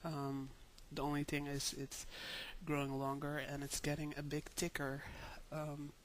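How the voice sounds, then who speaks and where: A young man talking slowly in a casual video diary, with many ums and pauses, tired. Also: on the high side, monotone, a little hiss or hum. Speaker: vlogger.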